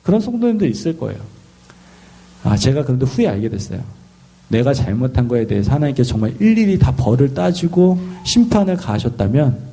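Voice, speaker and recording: A pastor from Seoul preaching a sermon in a lively storytelling way, often asking the congregation questions. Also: male voice, medium pitch, a little fast. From Seoul, South Korea.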